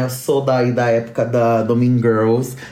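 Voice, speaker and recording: A man talks at a very slow pace and a medium pitch. The room echo is audible, and background noise is noticeable. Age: 20s. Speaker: content creator. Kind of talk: casual chat.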